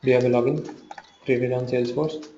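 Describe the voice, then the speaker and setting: A man's voice: medium pitch, level tone, brisk, warm tone. A man teaching an online class, his voice breaking up over the call and full of fillers as he thinks aloud. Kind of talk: live online lesson. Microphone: computer mic on a video call. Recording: muffled, echoey online call audio, faint noise.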